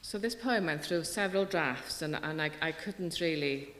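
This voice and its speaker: A woman's voice: sits low, normal speed, a bit bright. A middle-aged woman poet from Wales with a Welsh accent, giving an earnest festival talk and reading her poetry, often restarting her sentences. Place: hall. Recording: roomy hall reverb.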